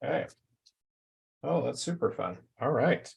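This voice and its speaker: A male host of a live crafting stream, with a gravelly fry in a mid-range voice. He keeps things upbeat and speaks straight to the viewers at home. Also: mid-range voice, expressive, a little slow. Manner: upbeat, addresses viewers directly. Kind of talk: live-stream show hosting.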